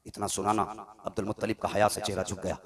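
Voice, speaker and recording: A man preaching an emotional sermon, telling a story dramatically and moving from hushed low tones to loud high cries as he addresses the crowd. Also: flat delivery, fast talker. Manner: addresses the audience directly. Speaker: Islamic preacher. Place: large gathering. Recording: live event, crowd audible. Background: audience reactions.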